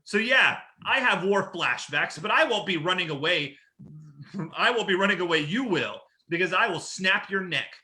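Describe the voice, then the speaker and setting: A man's voice: high-pitched, expressive, moderate pace, pushed and bright, heavily acted. A man playing a brash, boastful old war-veteran wrestler in a staged reading of a trash-talk promo. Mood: indignant, threatening. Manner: boastful, taunting.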